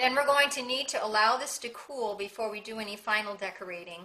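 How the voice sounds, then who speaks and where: A woman speaks with a New England accent in a fairly high voice. Her pace is moderate and her pitch varies in an ordinary way. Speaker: cooking show host. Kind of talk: cooking tutorial. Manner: relaxed, conversational.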